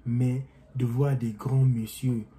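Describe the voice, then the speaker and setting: In a small room at home, a young man with what he calls a non-native-sounding French accent delivers an animated, rambling motivational vlog to camera. His mid-range voice moves slowly, and he gestures and keeps restarting his sentences in this casual talk.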